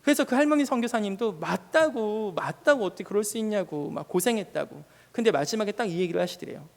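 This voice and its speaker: A man in his thirties, a junior pastor preaching a sermon in a lively, conversational way with touches of humor. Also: high-pitched, quick pace, creaky. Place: church sanctuary. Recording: long reverb in a church hall.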